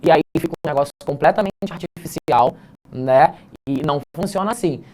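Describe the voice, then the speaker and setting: A man's voice: a little high, brisk, a little mellow, a little hiss or hum. Male teacher, casual classroom lesson, breaks grammar rules down with slangy asides. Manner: chatty, explanatory, addresses students informally. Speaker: teacher correcting an exam essay.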